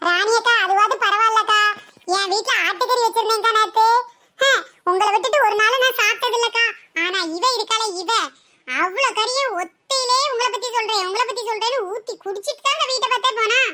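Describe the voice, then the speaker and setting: Using a cartoonish character voice, a woman speaks at an extremely high pitch. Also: moderate pace. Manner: blunt, animated.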